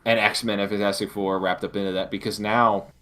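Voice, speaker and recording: A man's voice: lowish voice, level tone, brisk, bright, forceful tone. A man co-hosting a casual discussion, thinking aloud and often rephrasing as he goes. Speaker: podcast co-host.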